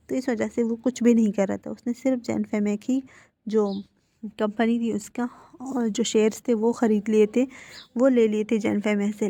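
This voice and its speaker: A woman's voice: on the high side, dark tone, no room sound. A woman narrating a fan-fiction story in a casual, conversational way with filler phrases.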